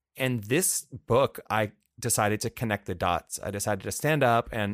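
A man speaks in an unremarkable speaking voice, medium in pitch, with ordinary pitch variation. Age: 30s. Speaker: designer, artist and writer. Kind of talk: casual chat.

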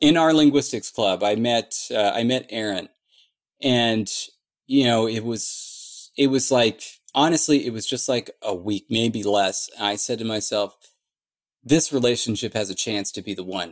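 A man speaks with an American accent at a fairly slow pace, in an unremarkable speaking voice. His pitch is medium, with ordinary variation. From US West Coast (Orange County, California). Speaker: language creator, linguist. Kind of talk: interview, casual chat.

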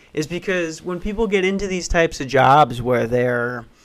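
On a very clean recording with a silent background, a man with an American accent speaks in an unremarkable speaking voice, at a fairly slow pace and with ordinary pitch variation. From Minnesota. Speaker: podcast host. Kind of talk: solo comedic monologue.

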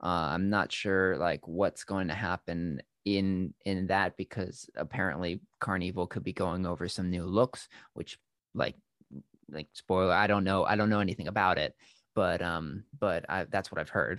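A man's very deep, low voice with fairly even intonation, dry and close with no echo, over a quiet background. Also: moderate pace. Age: 20s. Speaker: scare actor. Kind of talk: casual chat.

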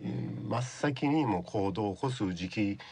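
A man with a Persian accent speaks at a moderate pace in a fairly low pitch, his voice making very wide pitch swings. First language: Persian (speaking Japanese). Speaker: environmental NPO head. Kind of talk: radio interview. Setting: studio.

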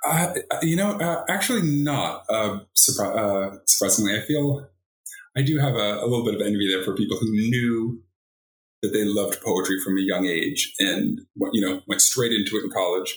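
A man with an American accent, medium in pitch and somewhat breathy, with lively intonation, very even loudness and a moderate pace. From US East Coast, Boston. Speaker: poet. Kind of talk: interview.

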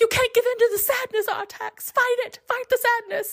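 A woman does a put-on character voice with a British accent, extremely high in pitch and moderately paced. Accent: faux British. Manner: pleading, earnest.

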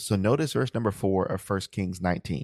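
A man speaks in an animated tone with ordinary pitch variation. The sound is dry and close with no echo, against a quiet background. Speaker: bible teacher. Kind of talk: bible teaching. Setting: office. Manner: fast.

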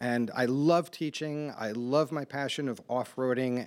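On a very clean recording with a silent background, a man with an unremarkable speaking voice and an American accent talks at a fairly slow pace in a medium pitch. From Long Island, New York. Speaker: off-road driving business owner. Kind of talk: interview. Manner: frequent filler words (um, uh).

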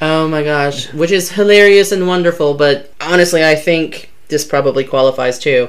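A woman with an American accent speaks at a moderate pace with hardly any pauses, in a very deep, low voice with ordinary pitch variation. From Carolinas, US South. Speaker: podcast host. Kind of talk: casual chat.

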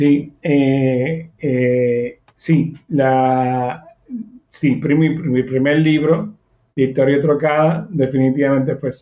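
Very slow, monotone speech from a man with fairly high pitch and flat intonation. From Puerto Rico. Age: 70s. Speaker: writer and professor. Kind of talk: interview conversation.

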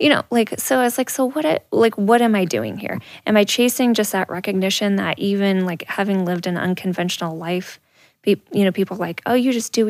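This is a plain, everyday voice with an American accent. It moves at a fairly quick pace with ordinary pitch variation. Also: woman. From California. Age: 40s. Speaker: hairstylist and salon owner. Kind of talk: casual interview conversation.

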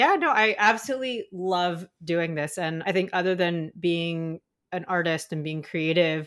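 With an American accent and an ordinary speaking voice, a woman talks at a moderate pace and fairly low pitch with ordinary pitch variation, in a very clean recording with a silent background. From US South, Atlanta, Georgia. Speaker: filmmaker and blockchain educator. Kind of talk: casual interview chat.

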